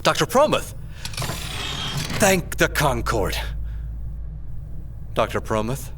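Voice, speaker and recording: A man playing a smooth, scheming corporate official who feigns concern, in an audio drama. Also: medium pitch, very animated, takes it slowly, far from the mic, background noise. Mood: feigned delight. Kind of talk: audio fiction drama acting.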